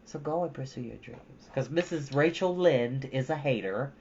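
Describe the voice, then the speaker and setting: A woman's voice: extremely low pitch, normal speed, darkish tone, highs cut off, slight background noise. A woman talking casually to her viewers as a storytime host, in an informal, emphatic, encouraging way.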